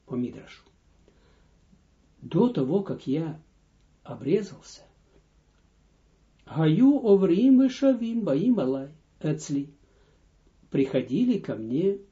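The voice belongs to a male rabbi, sitting on the high side yet dark in tone. Teaching a text in a slow, spoken Torah lesson, he reads brief lines aloud and walks through their meaning step by step, all captured in a dull, lo-fi lesson recording.

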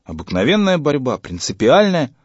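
A man's voice: mid-range voice, big pitch swings, moderate pace, breathy edge, no echo, lo-fi sound, voice pushed up. A man reading a story, voicing a dogmatic schoolboy who lectures his father. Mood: lecturing. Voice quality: preachy, self-assured lecturing tone.

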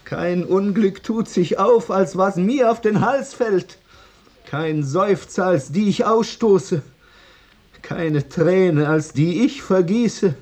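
An anguished, high-voiced Jewish vagrant declaiming. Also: male voice, takes it slowly, darkish tone. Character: Jewish male vagrant oddball reciting a tragic monologue. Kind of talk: theatrical German radio drama recitation.

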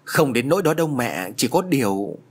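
A man's voice: medium pitch, big pitch swings, moderate pace, husky. A man voicing a frightened young woman, speaking in an anxious, urgent way. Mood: worried. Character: frightened young woman searching for her sister.

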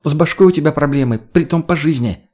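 A man voicing an irritable, sharp-tongued young woman who snaps and swears. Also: on the high side, brisk, voice pushed up, natural voice. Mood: annoyed. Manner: snapping, swearing.

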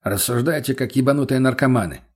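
A man playing a cool, blunt gypsy mercenary in an audiobook, his husky voice dry and unhurried. He sounds unimpressed by everyone. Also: medium pitch, lightly acted. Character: cool, sardonic male Lovari gypsy mercenary.

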